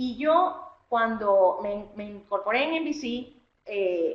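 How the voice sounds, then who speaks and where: A woman with a Latin American accent talks with very wide swings in pitch. Room echo is audible in the recording. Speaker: television executive. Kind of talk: webinar interview.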